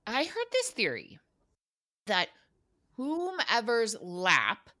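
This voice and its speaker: A woman hosting a casual interview, bubbly and quick to laugh, asking her guest questions. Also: a little high, huge pitch swings, bright, forceful tone, dry recording. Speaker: host.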